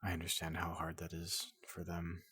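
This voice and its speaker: A large, gentle robot doctor speaks in a very low, breathy murmur that often drops to a whisper. The delivery is even and halting, soothing a patient in ASMR roleplay style, close and soft. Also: no room sound. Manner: slow, halting, reassuring.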